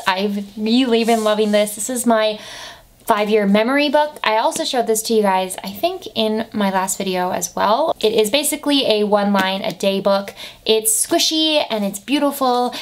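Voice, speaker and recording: Chatty young woman vlogging at her desk. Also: mid-range voice. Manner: chatty, upbeat, lots of "like" fillers. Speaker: beauty vlogger. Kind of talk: casual monthly favourites chat. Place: bedroom with desk and lamp, indoors.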